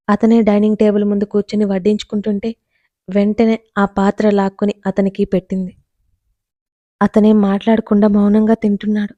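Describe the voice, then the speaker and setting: Woman reading a love story aloud, steady, mellow, dry close sound. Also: mid-range voice, no echo. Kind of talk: scripted story narration.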